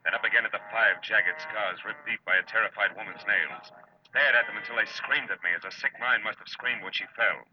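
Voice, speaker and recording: A man's voice: on the low side, brisk, lightly acted. A man acting a world-weary, curt American private detective in old-time radio style, with clipped, tough delivery. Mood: grim narration. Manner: clipped, terse, tough-talking. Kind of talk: 1940s radio acting, scripted first-person narration. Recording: muffled, noisy old radio recording.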